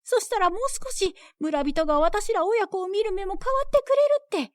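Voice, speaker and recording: A woman voicing a soft-hearted, worried old village mother who frets and scolds tenderly. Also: very high voice, expressive, brisk. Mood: pleading. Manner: fretful, scolding yet tender.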